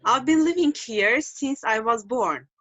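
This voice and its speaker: A woman's voice: a little high, animated, a little slow, a bit bright, no echo. A woman from Turkey, an English student, reading a practice dialogue carefully over a video call. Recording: dull dry video call audio.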